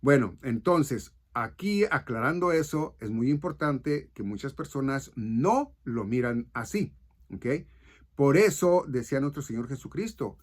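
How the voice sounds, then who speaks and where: Slow, halting man teaching the Bible. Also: mid-range voice, animated. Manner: checks in with frequent "ok?" and "right?"; halting, restarts mid-phrase.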